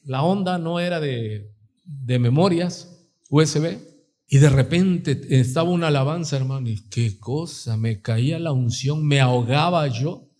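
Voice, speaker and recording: A man's voice: high-pitched, fairly bright tone. A male pastor with a Mexican Spanish accent, preaching a live sermon in church with fervent rhetorical questions and acted-out quotes. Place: church sanctuary.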